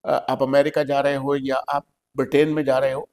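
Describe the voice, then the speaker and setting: A man's voice: medium pitch, completely flat delivery, normal speed, darkish tone, in a large hall. A man with an Indian accent, an English teacher hosting a podcast, explaining patiently and repeating his key points.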